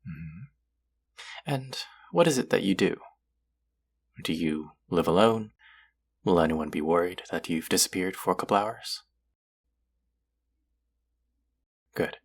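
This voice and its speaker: A man playing an aloof, lonely lord of the underworld who is secretly soft, speaking formally and wryly to the listener in an intimate audio roleplay. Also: deep voice, lively intonation, measured pace, pauses often, full character voice. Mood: reserved, curious. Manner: formal, wry, guarded, addressing the listener directly.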